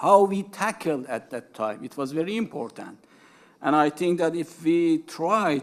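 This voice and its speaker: A man with an Iranian accent, a fairly high pitch and a fairly slow pace. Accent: Iranian (Persian) accent in English. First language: Persian. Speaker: diplomat and researcher. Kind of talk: conference speech. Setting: stage at a media forum. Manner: halting.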